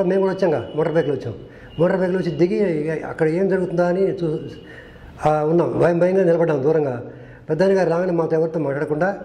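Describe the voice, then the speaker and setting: A man's voice: on the high side, warm tone, echoey room, low-quality recording. An older man, a veteran film co-director, tells stories from old shoots in a long interview and acts out the quoted lines. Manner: anecdotal, acts out quoted dialogue. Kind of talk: storytelling interview.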